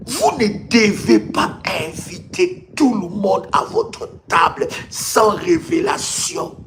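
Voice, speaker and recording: A man's voice: high-pitched, very animated, takes it slowly, fairly bright tone. A man preaches as a pastor on a live stream. His delivery is emphatic and repetitive, often stumbling into restarts as he drives a point home. Faint noise sits behind him. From Congo. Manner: emphatic and repetitive, with rhetorical questions and stammered restarts. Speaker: pastor, ministry leader.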